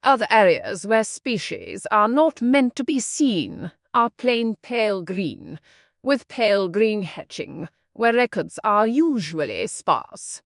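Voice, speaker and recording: A woman's voice: mid-range voice, sing-song, slow pace, dry recording, clean studio sound. A woman reading scripted factual passages aloud as exam practice.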